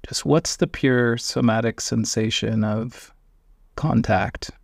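A man guiding a meditation, giving gentle invitations with long pauses between phrases. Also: mid-range voice, creaky, no echo, studio quality. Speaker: meditation guide. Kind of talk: guided meditation.

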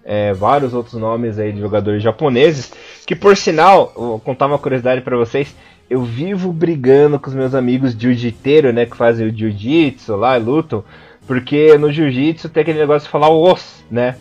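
Medium-pitched and darkish in tone, this man from southern Brazil has a southern Brazilian Portuguese accent and co-hosts a casual podcast on pronouncing names. He's patient, slowly repeating each one, but gets blunt and crude when joking, all in dull lo-fi audio with faint music.

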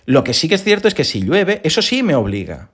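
Male podcast host, animated, pitch swings widely, slightly hoarse, talks straight to listeners. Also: a little fast. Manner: lively, animated explaining with rhetorical questions. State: recovering from hoarseness. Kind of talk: casual explanatory monologue.

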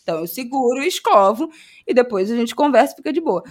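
A woman with a Brazilian Portuguese accent, co-hosting a podcast in casual chat, telling stories in an animated, self-mocking way. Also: fairly high pitch, fast talker. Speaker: podcast co-host.

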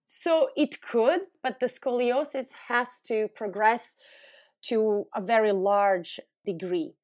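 The speaker is a woman from Serbia, a physiotherapist and scoliosis clinic founder, explaining things as an expert interview guest with a Serbian accent. She talks slowly in a fairly high pitch with a darkish tone, in clean studio sound with no room sound.

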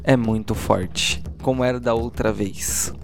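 A man's voice: mid-range voice, steady tone, measured pace, gravelly. A man with a Brazilian accent improvising narration as game master, describing action step by step and checking back with players.

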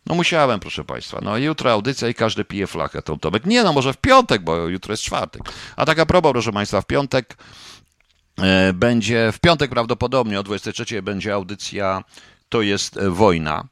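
A man's voice: lowish voice, big pitch swings, moderate pace, fairly bright tone, dry recording, studio quality. A middle-aged man hosting a live online broadcast, reading chat comments aloud and challenging them with repeated pointed questions and the odd curse.

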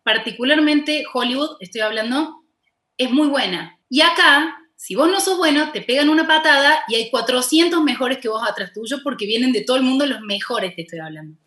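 A woman's voice: sits high, animated, brisk, sharp tone, reverberant. A woman with a Córdoba Argentine accent, a former TV host turned content creator, telling her story passionately and emphatically in a casual interview.

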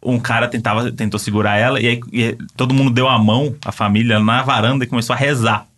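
A man with a Brazilian accent telling a story in casual chat, animated and full of fillers. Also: medium pitch, fast. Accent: Brazilian Portuguese.

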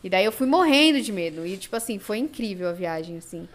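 A woman's voice: mid-range voice, expressive, fast. A Brazilian woman, a podcast guest, tells a personal story in casual, emotional chat full of fillers. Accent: Brazilian Portuguese.

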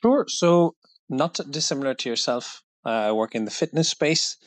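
A man's voice: mid-range voice, moderate pace, dry recording. An Irish man, a fitness coach, answering interview questions thoughtfully, with frequent restarts and asides. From Ireland. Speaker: fitness coach, podcast guest.

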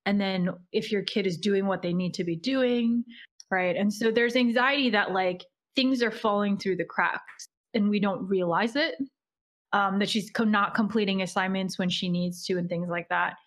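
A woman's voice: medium pitch, moderate pace. Woman in her thirties, earnest, candid, casual guest talk. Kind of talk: casual conversation.

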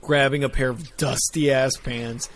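A man's voice: mid-range voice, steady tone, a little slow, a little hiss or hum. A man co-hosting a casual sports podcast, rambling loosely and swearing freely. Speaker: podcast co-host.

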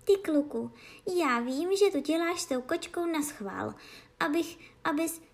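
A woman's voice: high voice, expressive, vocal fry, pitched above the performer's own voice. A woman playing a proud, moody young princess. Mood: sulky.

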